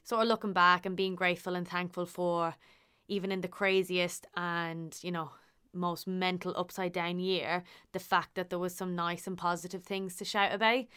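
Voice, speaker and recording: A woman's voice: lowish voice, little pitch movement, normal speed, bright, forceful tone, clean tone. A woman of about thirty, hosting a podcast in a casual, rambling, enthusiastic way. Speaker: podcast host.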